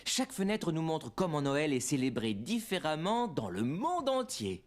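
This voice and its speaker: A man's voice: a little high, big pitch swings, normal speed. A man playing a kindly, encouraging young father in a children's cartoon dub, explaining things reassuringly to a child.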